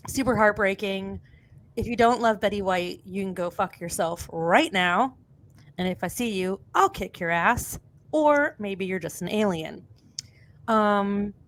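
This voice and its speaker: A woman hosting a podcast in casual chat, blunt and sweary, sounding sniffly with a cold. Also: mid-range voice. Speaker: podcast host.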